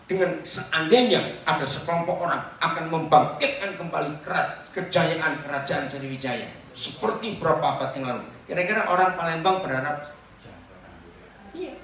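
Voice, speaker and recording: Male pastor, preaching sermon; bright animated delivery, quizzes the congregation; distant, echoey hall sound. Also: fairly high pitch, a little hiss or hum. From Papua. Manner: lively preaching, questions the congregation, jokes. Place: church hall.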